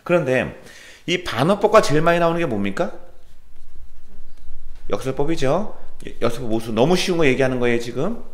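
Lively male teacher in an echoey classroom. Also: mid-range voice, brisk, pauses often. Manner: animated, questioning students, quoting lines in a put-on voice. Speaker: Korean literature teacher. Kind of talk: classroom lecture. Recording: roomy classroom echo.

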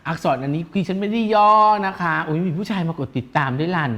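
A man chats through celebrity gossip in a camp, teasing way, often breaking into giggles. His voice sits fairly high for a man, and he uses feminine polite endings. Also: fast talker. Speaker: gossip show host.

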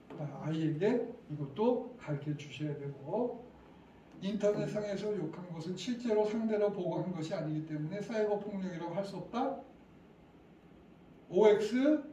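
A man's voice: sits high, mellow, a little hiss or hum. A middle-aged man giving an interactive lecture to parents, quizzing the audience and chuckling as he talks. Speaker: lecturer at parent education session. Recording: echoey hall, distant mic, faint ambience.

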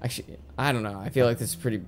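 A man's voice: medium pitch, steady tone, very fast, a little hiss or hum. A man chatting and joking beside a friend who plays a game, drifting into trivia tangents. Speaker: co-host. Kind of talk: casual let's-play banter.

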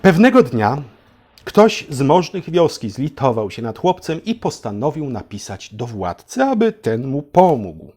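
A man's voice: medium pitch, a little mellow, slightly rough. A man narrating a satirical fairy tale for adults in a theatrical, mock-solemn way, as if addressing children. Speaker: storyteller and channel host.

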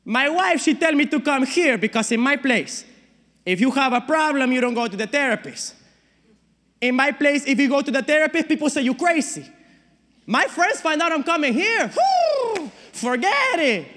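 A man playing a Latino immigrant father in a stage monologue, nervously cheerful, with a Latin American Spanish accent and halting broken English. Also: very high-pitched, sing-song, a bit bright, exaggerated voice. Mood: animated, embarrassed. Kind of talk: dramatic monologue performed on stage. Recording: reverberant hall at a speech tournament.

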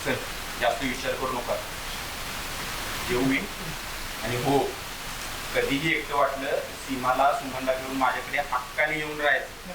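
A man acting a caring older relative who gently lectures and advises. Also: mid-range voice, level tone, unhurried, pauses often, echoey room, background noise, close to an everyday voice. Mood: advising. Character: caring older male relative giving advice.

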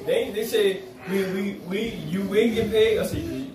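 A man telling an animated story from across the house, away from the camera. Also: high-pitched, moderate pace. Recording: roomy, off-mic, with household noise.

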